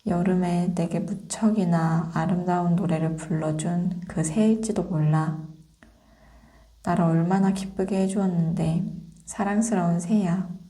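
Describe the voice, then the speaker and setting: Tiny storybook girl played by a woman: tender-hearted, gentle, soft ASMR delivery, mellow, slow and even. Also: fairly low pitch, close to an everyday voice. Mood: tender, sorrowful.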